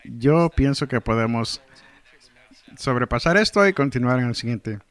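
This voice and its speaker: A man's voice: mid-range voice, lively intonation, moderate pace, fairly bright tone, dry recording. A man delivering a verse-by-verse sermon in translation, earnestly reading scripture and explaining it. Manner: earnest, explanatory, reads scripture then comments. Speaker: Spanish translator of a pastor's sermon.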